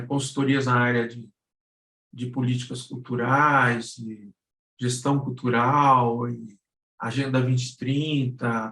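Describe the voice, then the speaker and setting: A man with a Brazilian accent giving a casual explanation as a guest, halting and searching for words, in an echoey room. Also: mid-range voice, fairly bright tone. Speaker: guest presenter, radio drama producer, cultural policy consultant.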